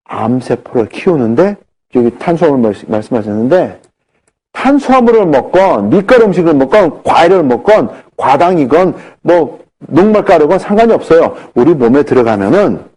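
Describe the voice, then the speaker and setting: A man's voice: fairly high pitch, slightly rough. A middle-aged man giving a health lecture, telling stories and acting out the dialogue in them. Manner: animated, acts out dialogue in his anecdotes.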